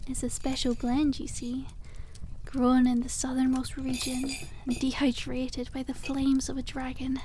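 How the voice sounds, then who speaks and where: A woman voicing a cute, kindly witch shopkeeper in an ASMR roleplay, speaking softly and teasingly with old-fashioned courtesy. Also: sits high, monotone, a little slow, slight background noise, poor audio. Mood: teasing, gently instructive. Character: cute, coy, kindly witch selling dragon eggs. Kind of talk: ASMR roleplay, scripted and addressed to listener.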